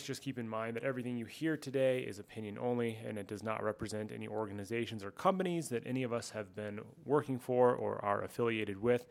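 A man's voice: on the low side, creaky. A man host reading a podcast intro and disclaimer in an earnest way, with filler ums.

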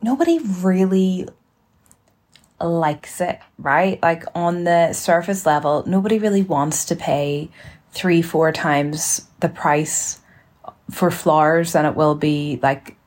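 A woman in her twenties hosting a casual solo podcast, chatty and rambling in an informal, relaxed way. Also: lowish voice, slow pace. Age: 20s. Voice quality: relaxed, slightly husky. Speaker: podcast host.

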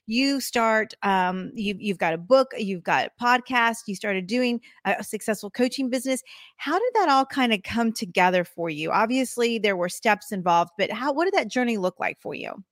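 A woman's voice: a little high, lively intonation, moderate pace, dry recording, clean studio sound. A woman hosting a podcast, with an enthusiastic, promotional way of introducing the show and her guest. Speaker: podcast host. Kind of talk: upbeat podcast interview.

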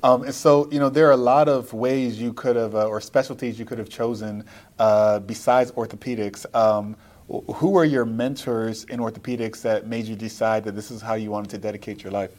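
A man's voice: fairly low pitch, fairly even intonation, moderate pace, darkish tone. A man hosting a live podcast interview at a conference, eager and full of filler words as he asks his questions. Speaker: podcast host.

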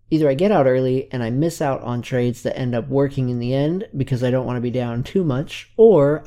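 A man's voice: medium pitch, dark tone. A man in his twenties hosting his own weekly self-improvement podcast, a little congested and recounting his week in an earnest, plain way. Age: 20s. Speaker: podcast host. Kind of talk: casual weekly self-recorded update.

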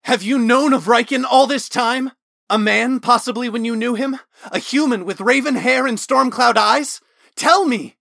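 A male narrator voicing a brooding veteran fighter who speaks solemnly and then shouts manically, his voice climbing high. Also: normal speed, hardly any pauses, no room sound, clean studio sound, natural voice. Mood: manic shouting.

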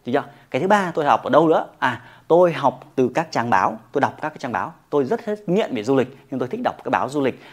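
Yoga trainer; motivational to-camera talk, fast delivery, emphatic. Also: mid-range voice. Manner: emphatic, with frequent rhetorical check-ins.

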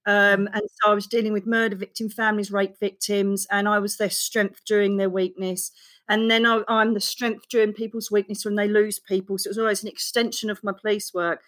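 A guest author tells her own story candidly in an interview. Her mid-range voice is emotional and expressive, and her storytelling runs fast.

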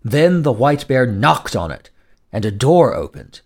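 A man narrating as a storyteller in a gothic, theatrical fairy-tale style, with dramatic, deliberate phrasing. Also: medium pitch, big pitch swings, darkish tone. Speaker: storyteller, host.

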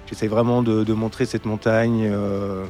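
A man from Belgium in his thirties, a mountain photographer talking in a relaxed podcast interview, hesitant with many fillers and restarts. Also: fairly low pitch, unhurried, soft background music.

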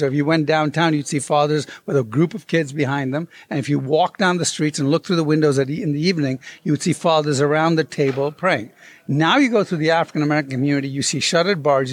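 A man as an interview guest, telling a story and acting out the quoted voices. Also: fairly high pitch. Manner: animated, acts out quoted dialogue. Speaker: guest author. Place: convention.

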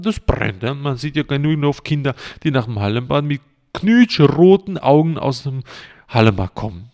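A man's voice: mid-range voice, darkish tone. A man hosting a self-help show, giving a blunt, crude health monologue full of rhetorical questions and sarcasm. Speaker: self-help podcast host.

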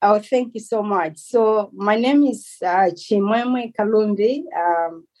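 A Malawian woman in her forties, a doctor answering interview questions in a measured, earnest way. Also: mid-range voice, dark tone. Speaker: guest, consultant doctor.

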